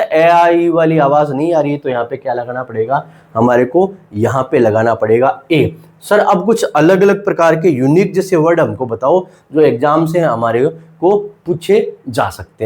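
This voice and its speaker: A man's voice: a little high, darkish tone. A man teaching a grammar lesson, asking rhetorical questions, voicing his students' questions himself and answering them. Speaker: English teacher. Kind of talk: classroom lesson.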